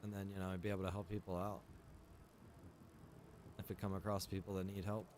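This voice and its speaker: A man giving casual livestream commentary on a game, rambling and thinking out loud. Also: low-pitched, level tone, fairly quick, faint music behind. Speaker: game streamer.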